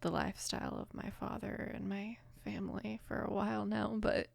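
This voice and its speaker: A woman of about twenty playing a caring, apologetic mafia boss's daughter in an intimate ASMR roleplay, soft-spoken and hesitant, with a breathy, creaky voice. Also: medium pitch, steady tone, normal speed, dry recording. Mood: hesitant, confiding. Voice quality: breathy, whispery with heavy creak.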